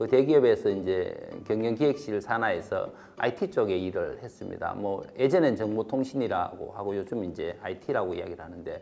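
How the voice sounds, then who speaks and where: Speaking at a fairly quick pace, a man has a strong Daegu accent. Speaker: network marketing distributor. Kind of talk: interview chat.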